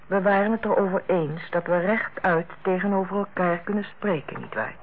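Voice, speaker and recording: An actress in a Dutch radio play as a female hospital director, authoritative yet kindly, speaking in a measured, formal and persuasive way. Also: lowish voice, slight background noise, natural voice. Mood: tactful, measured. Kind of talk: Dutch radio drama acting. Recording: muffled, band-limited old radio recording.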